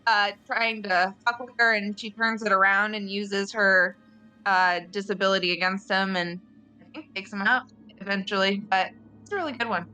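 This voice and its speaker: A woman chats casually among a gaming group. Her voice is bright and very clear, at an average female pitch. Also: steady tone, normal speed, soft background music, poor audio. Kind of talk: casual chat.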